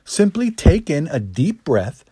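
A middle-aged man presenting a scripted lesson as a speaking coach, in a practiced higher register with deliberate phrasing and rhetorical asides. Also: very animated, dark tone, breathy edge, no room sound. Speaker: public speaking coach, host. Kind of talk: scripted instructional monologue.

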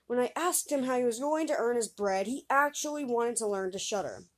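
A woman's voice: a little high, animated, fairly quick. A woman voicing a weary, exasperated old father who sighs and scolds his son. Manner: sighing, scolding.

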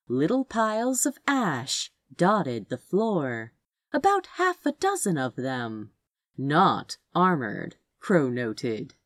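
A woman narrates fiction in a slightly low voice. Her reading is measured and unhurried, with animated rises and falls, and the recording is dry. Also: dry recording. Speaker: audiobook narrator. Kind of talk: expressive scripted fiction narration.

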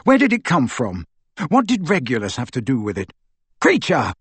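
A man's voice: mid-range voice, wildly swooping pitch, moderate pace, husky, no echo. A man doing a fierce teenage boy wizard. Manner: fierce, urgent, commanding. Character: teenage boy wizard hero, determined and commanding. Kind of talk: audiobook character voice.

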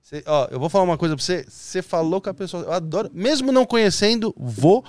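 Male host, casual banter, high and very animated pitch, boastful and playful. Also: quick pace. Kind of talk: casual chat.

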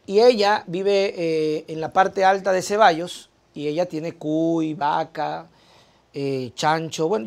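A co-host chats casually. The talk rambles through a family story. The delivery is relaxed and anecdotal. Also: medium pitch, vocal fry. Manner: chatty, anecdotal. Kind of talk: casual chat.

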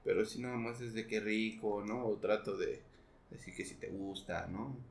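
Mexican woman guest, very deep voice, playful, echoey room. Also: normal speed, a little mellow, slight background noise. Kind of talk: casual chat.

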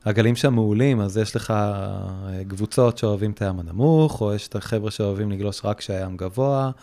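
A man in his thirties or forties, a podcast guest, talking casually and haltingly with many restarts. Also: lowish voice, dark tone. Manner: hesitant, many restarts and fillers. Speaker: guest, surfboard repairer.

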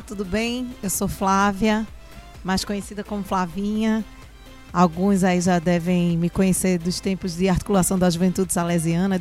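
A woman's voice: fairly low pitch, darkish tone. A woman who is a guest on a podcast, introducing herself in a friendly, cheerful way. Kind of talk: podcast interview.

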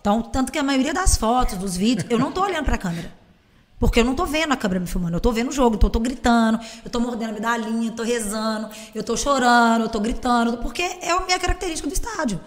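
A woman, a teacher and football fan, telling stories in a casual chat, animated and swearing freely. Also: on the high side, very fast. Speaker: guest. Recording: hall reverb.

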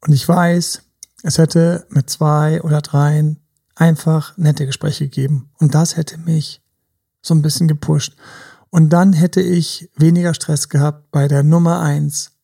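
A man speaking as a dating coach in a loose, reflective podcast chat, his voice gravelly and husky with a dark, mellow tone. He plays out imagined pep talks to his younger self, sometimes sinking to a whisper, and slips English words into his speech. His pitch sits a little high for a man. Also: level tone, unhurried. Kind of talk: casual reflective podcast talk.

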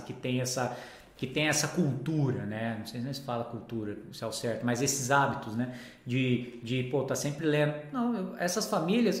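A man's voice: mid-range voice, reverberant. A Brazilian man who teaches school, chatting casually and acting out the voices of people he quotes. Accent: Brazilian Portuguese. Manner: animated, acts out quoted voices. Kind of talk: casual conversation.

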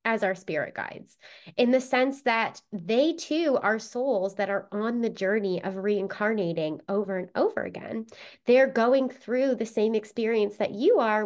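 A woman with a cold and a stuffed-up voice, explaining spiritual ideas in a casual, conversational way, often checking in with "right?". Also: on the high side. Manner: conversational, frequent "right?" and "you know" fillers. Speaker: spiritual teacher.

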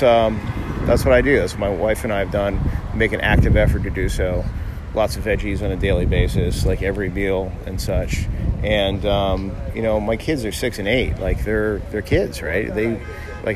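A middle-aged American man from Miami hosting a casual, conversational podcast monologue outdoors. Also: on the low side. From Miami, United States. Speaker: podcast host, doctor. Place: outdoors by a busy city street. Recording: outdoor street noise, passing cars. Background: traffic and urban ambience.

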